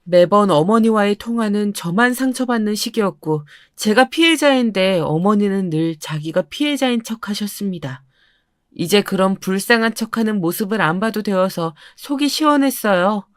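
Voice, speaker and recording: Woman calmly narrating a story. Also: mid-range voice, normal speed, dry recording, studio quality. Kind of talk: first-person story narration.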